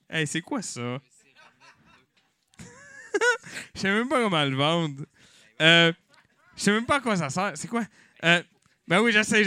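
Rowdy high-voiced Québécois man. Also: bright, forceful tone, clean tone, no echo, clean studio sound. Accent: Québécois French. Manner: rowdy, swearing, joking with the crowd. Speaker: host of a live comedy night. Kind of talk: improvised stand-up hosting with mock auction. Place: live venue with audience.

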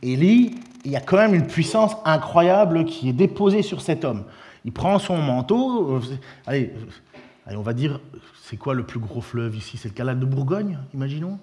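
A man preaching a sermon, in a lively, conversational way with many restarts. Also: medium pitch, moderate pace.

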